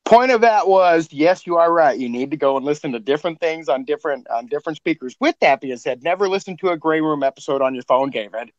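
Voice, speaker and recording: A laid-back man hosts a podcast chat, joking and laughing with his guests. His voice sits a little high. The sound is dry and somewhat muffled, like a remote call. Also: animated, fast, hardly any pauses, dry recording. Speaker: podcast host. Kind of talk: casual chat.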